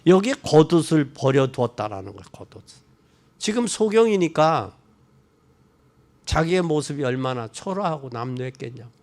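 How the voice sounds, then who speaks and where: A man's voice: fairly high pitch, sing-song, normal speed, a little mellow. A man preaching a sermon, asking the congregation questions and answering them himself, raising his voice when quoting scripture. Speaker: pastor.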